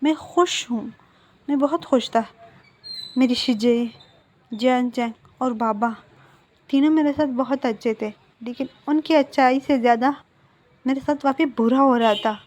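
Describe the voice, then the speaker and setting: A woman's voice: sits high, measured pace, pauses often, a little mellow, slight background noise. A woman voicing a hurt young man who answers curtly and tries to push his lover away, in a retold fan-fiction story.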